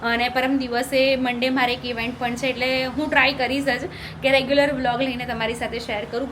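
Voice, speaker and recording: A young woman and mother chatting casually to her viewers in a vlog, often checking in with them as she talks. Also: sits high. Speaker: family vlogger and mother. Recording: noisy phone vlog recording.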